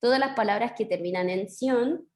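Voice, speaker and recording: A woman's voice: on the high side, moderate pace, darkish tone, reverberant. A woman teaching an online primary class with a Chilean accent, patient and encouraging, stretching out syllables as she explains. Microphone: video call.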